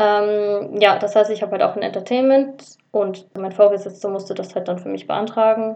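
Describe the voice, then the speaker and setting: A woman with medium pitch and an ordinary speaking voice keeps fairly even intonation while her loudness swings widely. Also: moderate pace. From Germany. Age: 20s. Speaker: student and entertainment trainee. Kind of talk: casual interview. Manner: casual, filler-heavy.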